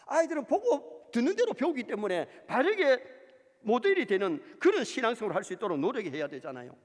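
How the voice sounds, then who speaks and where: A male pastor preaching a sermon, lively and emphatic, with quoted asides. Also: very high voice, brisk. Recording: church hall reverb.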